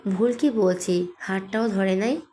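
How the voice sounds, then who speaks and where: A woman's voice: medium pitch, unhurried, warm tone, slight background noise, lightly acted. A woman voicing a playful, nosy elderly grandmother who teases with prodding questions. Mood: teasing.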